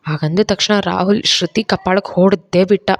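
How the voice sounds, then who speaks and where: Woman storyteller, dramatic audio story reading, expressive. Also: fairly low pitch, normal speed. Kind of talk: scripted audio story narration.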